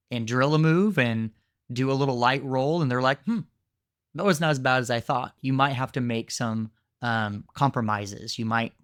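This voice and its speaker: A man's voice: medium pitch, a bit bright, dry recording, clean studio sound. A man in his thirties, a jiu-jitsu coach, giving frank, conversational training advice with casual fillers. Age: 30s. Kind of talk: instructional talk to camera.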